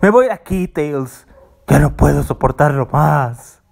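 A man's voice: fairly high pitch, slow pace. A man voicing a fed-up young hedgehog in a cartoon fan dub, exasperated and storming off. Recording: music behind the voice.

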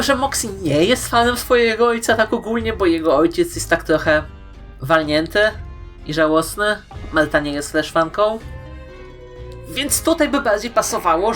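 A woman presents fan commentary straight to her viewers. Her voice sits fairly low for a woman, and she talks playfully with strong emphasis and dramatic pauses. Soft music runs faintly behind her. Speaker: YouTube host.

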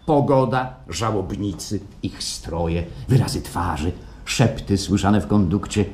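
A man's voice: low voice, a little slow, darkish tone. An actor playing an unctuous, grandiloquent salesman in a radio play performed live, persuasive and theatrical. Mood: grandiose. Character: grandiose, unctuous male salesman of engineered happiness. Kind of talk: radio play acting before a live audience. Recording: live stage recording with background noise.

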